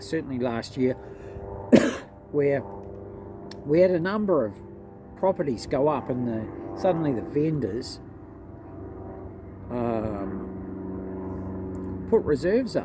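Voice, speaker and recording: A man with an Australian accent speaks very slowly at a medium pitch, his voice swinging very widely up and down. He leaves long, frequent pauses while music plays in the background. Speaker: auctioneer. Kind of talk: auction training talk to camera. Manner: casual, conversational.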